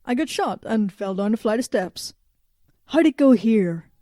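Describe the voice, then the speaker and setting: Woman acting a mellow, wry young adventurer. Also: fairly high pitch, animated, unhurried, no room sound, studio quality. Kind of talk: audio drama acting.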